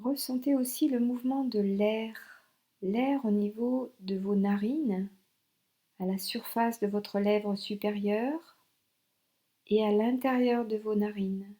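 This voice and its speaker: A woman instructor leading a guided yoga relaxation in short instructional phrases with pauses. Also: medium pitch, steady tone, warm tone.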